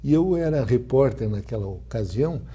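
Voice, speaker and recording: Mellow older Brazilian male host. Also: mid-range voice, expressive, normal speed, slightly rough. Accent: Brazilian Portuguese. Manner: polite, formal address, leisurely anecdotes. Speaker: interview host, former reporter.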